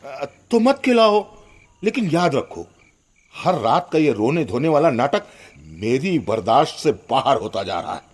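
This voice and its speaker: Irritable husband with wildly swinging pitch. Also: male voice, big pitch swings, unhurried. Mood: bitter complaining. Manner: scolding, complaining. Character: irritable, harsh husband and father of a baby. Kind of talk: Hindi radio drama acting.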